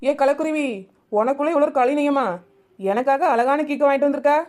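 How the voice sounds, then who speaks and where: A woman's voice: high-pitched, fairly even intonation, natural voice. A woman playing a young village wife who banters sharply with her neighbours and feels let down by her husband. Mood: teasing. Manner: quick, sharp-tongued teasing, then wounded. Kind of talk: village family drama acting.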